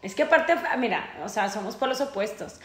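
Intense loud Mexican woman, roomy echo. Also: mid-range voice, animated, fairly quick, a crowd in the background. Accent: Mexican Spanish. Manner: loud, intense, laughs often. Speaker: vlogger answering fan questions. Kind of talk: casual couple Q&A chat.

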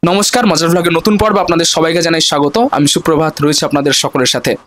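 A high-voiced man rattles through a chatty gadget demo at breakneck speed, his voice coming through a wireless clip-on mic with noise reduction artifacts. He keeps turning to his viewers as he talks, and his voice has a processed, gated edge from the noise cancelling. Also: a bit bright. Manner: fast, chatty, repeatedly addressing viewers. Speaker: tech vlogger reviewing a wireless mic. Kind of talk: casual product demo. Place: room at home with a fan running. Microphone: wireless clip-on transmitter.

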